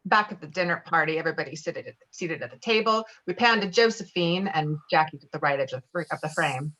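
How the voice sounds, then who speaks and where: A woman reading stage directions at an informal script table read, a bit halting, with casual asides. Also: low-pitched, lively intonation, a bit bright, rough recording.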